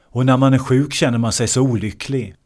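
A man teaching meditation in a measured way, often repeating key words. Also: mid-range voice, fairly even intonation, a little mellow. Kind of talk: translated meditation discourse.

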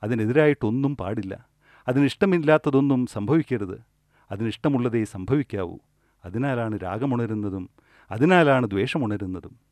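A man delivers a calm, measured spiritual discourse as a meditation teacher, repeating key phrases for weight. His voice sits at an ordinary middle pitch and is recorded very dry and close, with no room sound. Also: no room sound.

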